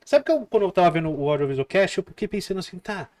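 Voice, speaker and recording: Casting: man in his forties, podcast host, high voice, blunt casual talk, close boom mic in a small studio. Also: sing-song, a little mellow. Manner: frank, swears casually, quick interjections.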